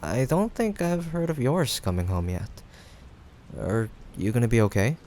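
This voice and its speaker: A young man playing a playful, caring friend in a casual improvised audio roleplay, teasing yet reassuring, with hesitant pauses. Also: medium pitch, sing-song, darkish tone, natural voice. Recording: faint background noise, rain ambience. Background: rain sound effects.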